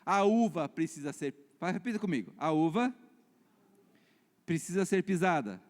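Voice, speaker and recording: A Brazilian man preaches in a church, his voice sitting fairly high for a man. He moves from fervent, raised passages to hushed, confiding stories. The sound carries a long reverb from the hall. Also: normal speed. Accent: Brazilian Portuguese. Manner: animated, swings between loud preaching and quiet storytelling. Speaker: pastor. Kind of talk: sermon.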